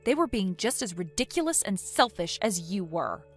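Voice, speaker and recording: A woman voicing a calm, resolute young woman who speaks in a cold, measured, firm way. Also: mid-range voice, soft background music.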